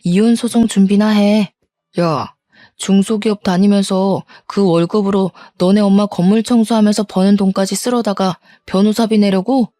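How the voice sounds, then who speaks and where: A woman reads out a young mama's-boy husband who mocks and whines. The voice is mellow and low in brightness, recorded dry and close. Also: steady tone, moderate pace, no room sound, close to an everyday voice. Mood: sneering. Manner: mocking, whiny.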